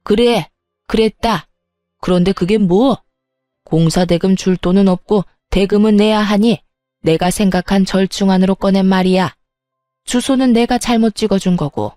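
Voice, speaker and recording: A woman's voice: medium pitch, moderate pace, dark tone, dry recording, studio quality, faint music behind, natural voice. A woman doing a greedy scolding mother-in-law. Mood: scolding entitled. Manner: scolding, entitled talk. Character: greedy, self-righteous middle-aged mother-in-law.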